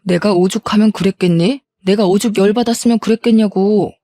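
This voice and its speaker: A woman's voice: mid-range voice, fairly even intonation, fairly quick, mellow, no echo, clean studio sound, natural voice. A woman voicing a resentful middle-aged husband in a spoken family drama story, whiny and self-pitying. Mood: defiant. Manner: pleading then defiant, self-pitying.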